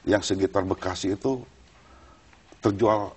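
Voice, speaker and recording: A man speaking as an official guest in an interview, explaining in a halting way and repeating words. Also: lowish voice, steady tone, a little mellow, slight background noise. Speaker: government official, panel guest.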